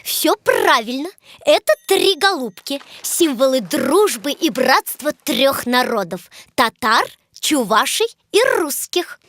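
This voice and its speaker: A woman playing a proud, excitable cartoon know-it-all who explains things to children in an expressive way. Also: sits high, slow pace, dry recording, heavily acted. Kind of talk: children's educational cartoon dialogue.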